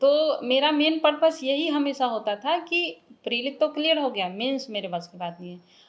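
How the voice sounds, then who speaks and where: At a moderate pace, the speaker's pitch rises and falls across a very wide range. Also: woman. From rural Bhojpuri-speaking northern India. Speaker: bank exam topper. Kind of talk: interview. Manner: hesitant, many fillers.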